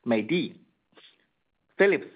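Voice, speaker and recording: A phone-like, narrowband line carries a slightly husky male voice. He is a company executive delivering prepared earnings remarks, formal and measured. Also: mid-range voice, expressive. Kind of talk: prepared corporate presentation on earnings call. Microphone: conference call line.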